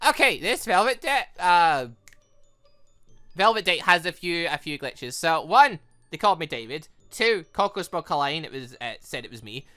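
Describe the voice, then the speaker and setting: A gaming YouTuber giving excitable, rambling, giggly commentary on a visual novel, with game music behind. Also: medium pitch, moderate pace. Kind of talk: gameplay commentary, reading visual novel dialogue aloud.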